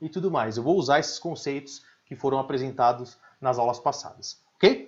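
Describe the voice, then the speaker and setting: The background is quiet while a man talks with lively intonation. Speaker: electrical engineering teacher. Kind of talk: lecture. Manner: fast; casual.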